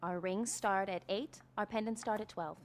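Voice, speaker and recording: An actress voicing a polished jewelry store clerk with smooth, upbeat sales patter in a video game. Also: female voice, mid-range voice, moderate pace, slight background noise, lightly acted. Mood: courteous. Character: polished female jewelry saleswoman, eager to sell.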